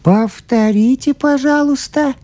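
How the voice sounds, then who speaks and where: A woman voicing a meek, excitable male priest who bursts into high, drawn-out exclamations. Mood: eager.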